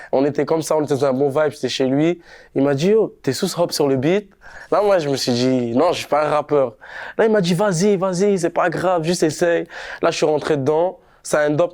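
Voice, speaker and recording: A young man from Montreal, a rapper, talking casually in a relaxed, slangy street manner during an interview. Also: a little high. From Montreal, Canada. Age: young adult. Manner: laid-back, slangy street talk.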